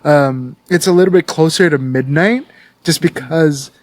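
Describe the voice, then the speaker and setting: A man from the Philippines chatting on a podcast in a slightly high voice. He rambles easily, leaning on "like" and "you know". The sound is dry and close to the mic. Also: measured pace, no room sound. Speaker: podcast co-host. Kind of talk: casual podcast chat.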